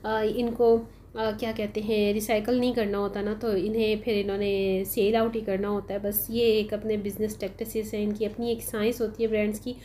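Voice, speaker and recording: A woman doing a casual, chatty voice-over for a shopping vlog, unhurried and full of "uh" fillers. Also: mid-range voice, level tone, mellow, a little hiss or hum. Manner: chatty, unhurried, frequent "uh" fillers, addresses viewers as "janab" and "bhai". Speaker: shopping vlogger. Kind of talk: casual voice-over of a sale haul.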